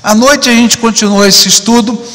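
A middle-aged male pastor with a very high, sharp-toned voice preaches at normal speed into a handheld mic. Standing on a large church auditorium stage, he keeps his sermon conversational with frequent tag questions, and a long hall reverb follows.

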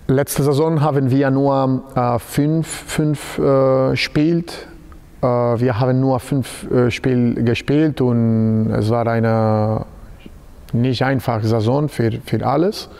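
Slow, halting Spanish-accented man. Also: mid-range voice, steady tone, vocal fry, dark tone, smooth. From Spain. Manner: halting non-native German with many fillers. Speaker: basketball coach. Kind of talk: interview answers. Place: large indoor sports hall. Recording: long hall reverb.

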